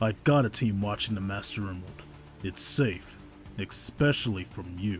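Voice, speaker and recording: A man puts on a cartoonish character voice at a fairly low pitch and a moderate pace. Clear background noise can be heard. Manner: blunt, forceful.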